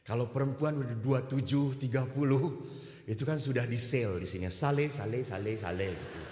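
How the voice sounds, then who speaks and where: A man, a Catholic priest, giving a sermon with animated storytelling and acted-out dialogue. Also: medium pitch, a little fast, echoey room, in a large hall.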